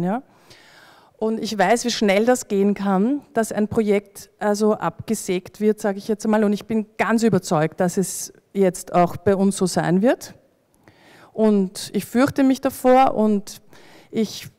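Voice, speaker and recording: A woman's voice: mid-range voice, warm tone. A woman around forty speaking spontaneously as a panelist, into a handheld microphone on stage. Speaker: panelist, freelance performing artist. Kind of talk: spontaneous panel discussion remarks. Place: stage in a hall before an audience. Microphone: handheld microphone close to mouth.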